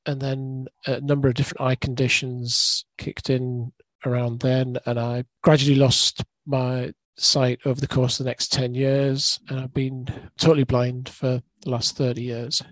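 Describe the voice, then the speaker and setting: A man's voice: mid-range voice, level tone, normal speed, hardly any pauses, no room sound. A middle-aged man, a guest musician, talking hesitantly in an interview and repeating words as he searches. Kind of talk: casual interview chat.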